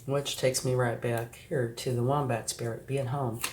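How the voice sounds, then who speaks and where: A woman's voice: very deep voice, flat delivery, moderate pace. A woman giving a tarot reading straight to the viewer, reassuring and sniffly from a recent flu. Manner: reassuring, addresses the viewer directly, frequent "okay" and "right". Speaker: tarot reader. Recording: echoey room with faint background noise.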